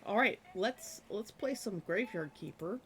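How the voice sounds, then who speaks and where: A woman streaming a game from her room at home, chatting casually with many fillers and a slightly hoarse voice from a cough. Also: mid-range voice, lively intonation, unhurried, a bit bright. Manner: chatty, rambling with many fillers, laughs often. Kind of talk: casual chat while gaming.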